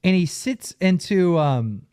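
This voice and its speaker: A man hosting a casual talk show, telling a wild story in an animated way. His voice sits a bit high and swings widely up and down as he goes. He laughs along with his own punchlines. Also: unhurried, smooth.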